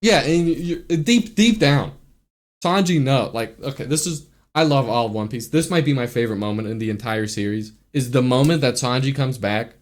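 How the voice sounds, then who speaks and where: A man's voice: mid-range voice, animated, moderate pace. A man talking about a show he loves, gushing and rambling with lots of fillers, restarts and trailing thoughts. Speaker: YouTuber ranking anime arcs. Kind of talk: casual excited commentary.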